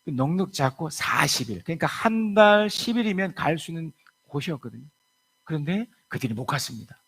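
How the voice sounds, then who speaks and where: A middle-aged man preaching a Sunday sermon, his voice sitting a little higher than most men's. He tells stories with lively energy and slips into the voices of the people in his jokes. He addresses a church congregation. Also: fairly quick, husky, poor audio. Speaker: pastor. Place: church service.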